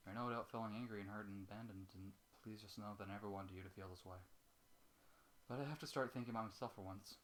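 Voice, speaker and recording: A man's voice: fairly low pitch, fairly even intonation, fast talker, a bit bright, slight background noise, close to an everyday voice, low-quality recording. A man reading as a weary, sorrowful young schoolgirl pony in a storybook, subdued and resigned. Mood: resigned, sad.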